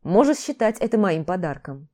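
A calm, reserved young man who speaks softly and slightly lower, with quiet tenderness, as a woman narrator voices him in an audiobook. His voice is warm and mellow. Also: normal speed. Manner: calm, soft-spoken.

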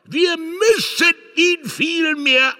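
An actor playing a fanatical, hateful Catholic prelate in a radio drama, delivering a declamatory, inciting sermon. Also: male voice, very high voice, drawn-out words, background noise, exaggerated voice. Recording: long cavernous church reverb.

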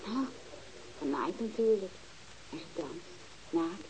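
A woman's voice: lowish voice, expressive, takes it slowly, a crowd in the background, low-quality recording. A woman acting a brazen, nonchalant teenage streetwalker in a radio drama, casual and defiant.

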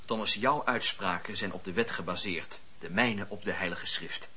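A man's voice: deep voice, normal speed, sharp tone. A male actor playing a solemn, unbending preacher in a radio play, curt and assured. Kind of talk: Dutch radio play acting. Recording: dull, noisy old radio play tape.

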